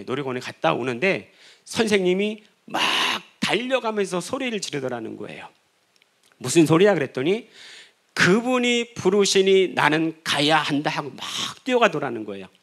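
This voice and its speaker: Gravelly-voiced Korean pastor telling testimony. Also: male voice, fairly high pitch. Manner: storytelling with rhetorical questions, acts out quoted dialogue. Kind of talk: sermon testimony. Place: church sanctuary.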